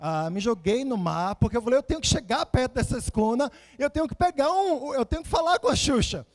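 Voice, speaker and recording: A man Salvador, preaching conversationally in an animated storytelling way, with rhetorical questions and repeated phrases for emphasis. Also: very high-pitched, fairly quick. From Salvador, Bahia, Brazil. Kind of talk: conversational sermon with personal anecdotes and scripture readings.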